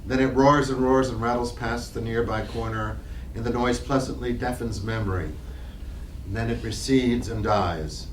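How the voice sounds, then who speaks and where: A man narrates a play in scripted literary prose. His mid-pitched voice sits away from the microphone in a reverberant room with faint noise. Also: fairly even intonation, moderate pace. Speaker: narrator reading stage directions. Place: library reading room. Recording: distant mic, echoey room, noisy.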